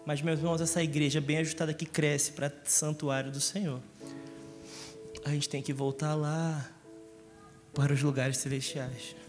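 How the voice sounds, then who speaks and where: A man preaches a Sunday sermon, joking often and asking the congregation questions. His voice sits high for a man. It carries a long church reverb, and music plays behind it. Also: little pitch movement, moderate pace. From Rio de Janeiro, Brazil. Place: church hall.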